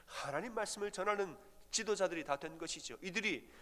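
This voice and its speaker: A man's voice: high-pitched, fairly quick, pushed and bright, in a large hall. A middle-aged man preaching an early-morning sermon as pastor, telling stories and acting out the voices he quotes.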